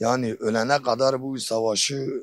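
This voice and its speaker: This man talks in a Kurdish accent with fairly even intonation. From Diyarbakır, Turkey. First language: Kurdish (speaking Turkish). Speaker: street musician. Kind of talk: street interview. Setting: outdoors.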